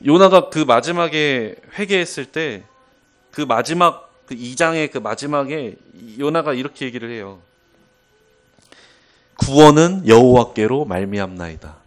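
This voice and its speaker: A man preaching a sermon, telling a Bible story in an animated way with occasional chuckles. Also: on the high side, moderate pace.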